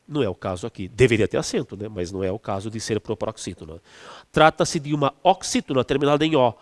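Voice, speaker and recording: A man's voice: mid-range voice, big-room sound. A man teaching an exam-prep language lesson, explaining step by step with fillers and restarts, and stretching key words to stress them.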